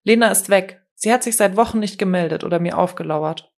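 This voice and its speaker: A tired, uneasy young man, quiet and withdrawn, as a woman voices him in an audiobook. He speaks in a subdued, weary way. The tone stays low-key and slightly defensive. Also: fairly quick, creaky, natural voice.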